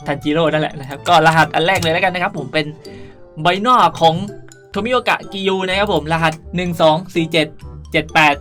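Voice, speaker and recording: A man's voice: a little high, brisk, fairly bright tone. A man hosting a casual game tutorial, chatting politely and often addressing his viewers. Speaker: video creator and host. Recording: music behind the voice. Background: music.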